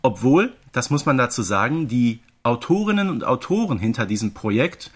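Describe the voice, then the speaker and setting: A man speaking as a podcast co-host in a conversational register. His voice sits at an ordinary middle pitch, and he explains his points step by step, slipping in small asides. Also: sing-song, normal speed, husky.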